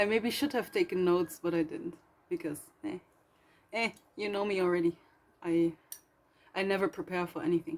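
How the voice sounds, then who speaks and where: A woman at medium pitch, with lively intonation, a fairly quick pace and long, frequent pauses. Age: 30s. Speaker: journaling vlogger. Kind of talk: casual to-camera introduction vlog. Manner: unscripted, hesitant with many fillers.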